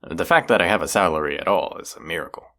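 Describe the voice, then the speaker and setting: A man playing a cocky, self-deprecating young vampire hunter in a roleplay audio, with a gravelly, teasing, casually sarcastic delivery. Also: low-pitched, quick pace, a bit bright. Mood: evasive, flippant.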